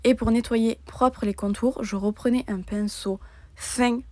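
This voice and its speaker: Woman calmly narrating a nail tutorial. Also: a little high, a little slow, noisy background. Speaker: nail art tutorial host. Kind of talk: step-by-step tutorial voice-over.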